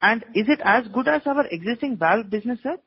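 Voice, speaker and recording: A man's voice: very high-pitched, lively intonation, a little fast, a little hiss or hum. A man with an Indian accent, an individual investor deferentially asking questions on an earnings call. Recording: muffled, dull phone line.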